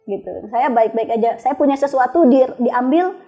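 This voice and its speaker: A woman's voice: high-pitched, normal speed, dark tone, soft background music. A woman guest telling her life story in a thoughtful, searching way with small restarts. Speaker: interview guest. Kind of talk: reflective conversational storytelling.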